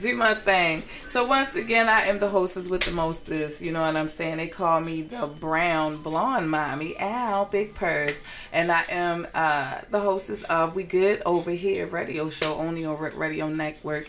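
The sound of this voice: A woman's fairly low voice in a Baltimore accent, with ordinary pitch variation, a fairly slow pace and noticeable background noise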